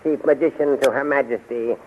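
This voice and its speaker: An actor playing a pompous, grumbling court magician who hems, haws and mumbles, in 1930s radio serial style. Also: male voice, mid-range voice, fairly even intonation, fairly quick, natural voice. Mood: pompous, hesitant. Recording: muffled, hissy 1930s radio recording.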